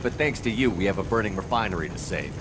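A man's voice: lowish voice, animated, fast talker, noisy background, lightly acted. An actor playing a stern, principled male military commander in a video game, speaking firmly and with measure. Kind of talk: cinematic video game acting. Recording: dramatic music behind the voice.

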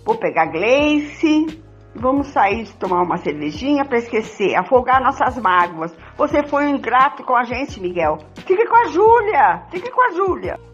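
A woman playing a bold, jealous lover in an amateur radio soap, emphatic and repeating herself, with a husky voice. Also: fairly high pitch, big pitch swings, moderate pace. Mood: hurt. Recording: dull lo-fi recording, music behind.

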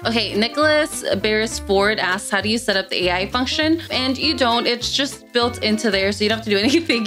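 Chatty young woman answering viewer questions. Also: sharp tone. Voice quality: fairly high-pitched voice. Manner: chatty, lots of "like" and "um" fillers. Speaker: tech reviewer. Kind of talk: casual Q&A talk to camera. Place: small room with gaming chair and LED lights, indoors.

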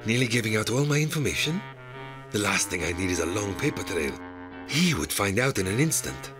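An actor playing a wary, formal, solitary man in an audio drama, speaking in a measured, brooding way. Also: fairly low pitch, sing-song. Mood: brooding, self-reproachful. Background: music.

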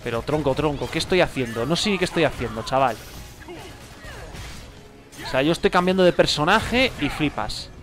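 A young man with a Spain Spanish accent gives excited, slangy gameplay commentary, repeating himself and laughing often at home. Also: a little high, normal speed, pauses often, music in the background. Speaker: gaming youtuber.

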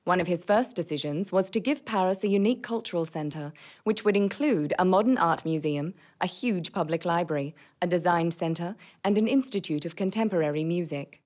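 A woman's voice: on the low side, fairly quick, a little mellow. A young woman reading scripted commercial and narration voice-over, close on a studio microphone. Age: young adult. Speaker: voice-over artist. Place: recording studio vocal booth, indoors. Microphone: large studio condenser with pop filter, close.

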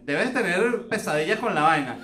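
Venezuelan guy doing standup, highish voice, teasing the crowd, echoey room w audience noise. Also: expressive, normal speed, pushed and bright, recorded from a distance. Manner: teasing, mocking banter with audience. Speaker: stand-up comedian, host. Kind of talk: crowd-work stand-up comedy. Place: theater stage. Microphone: handheld microphone. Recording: roomy stage sound, audience noise.

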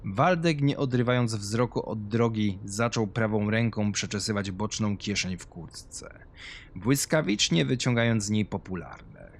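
A man's voice: expressive, a little slow, vocal fry, slight background noise. A man reading a scripted horror story as a narrator. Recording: low music behind, compressed audio. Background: music.

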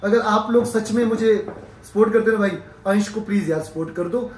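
A young man vlogging from his gym, talking casually to camera held at arm's length, pleading with viewers and loudly greeting members. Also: high-pitched, a little fast, a little hiss or hum, rough recording. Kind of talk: casual vlog chat to camera. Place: indoor gym. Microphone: handheld camera at arm's length. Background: music.

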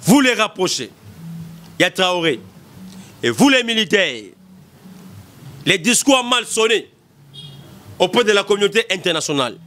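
A man's voice: sits high, fairly bright tone, slight background noise. A man in his thirties with a Congolese accent, giving impassioned political commentary into a desk mic in a small studio, emphatic and repetitive. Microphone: desk mic in front.

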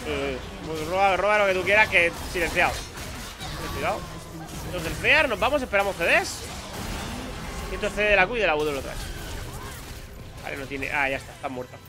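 A man commentating his own gameplay live, chatty and excitable, taunting enemies aloud. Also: sits high, a little fast, long pauses, over music. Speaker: gaming YouTuber.

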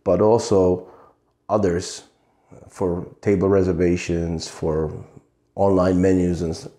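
A middle-aged man giving an earnest scripted sales pitch to camera, asking rhetorical questions. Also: level tone, takes it slowly, warm tone, reverberant. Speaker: web agency owner pitching to restaurants. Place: indoor studio in front of a logo backdrop. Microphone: fixed camera, seated medium shot.

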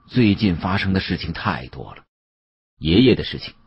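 Male audiobook narrator, very raspy, lively intonation, dramatic colloquial storytelling, slightly muffled recording. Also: low-pitched, normal speed, no room sound. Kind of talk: dramatic first-person novel narration.

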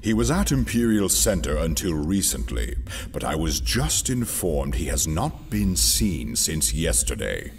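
Male actor as calculating Imperial conspirator, audio drama, slow deliberate delivery, swooping intonation, background ambience noise. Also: very deep voice, big pitch swings, vocal fry, exaggerated voice. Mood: ominous, measured. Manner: deliberate, dry, theatrical pauses.

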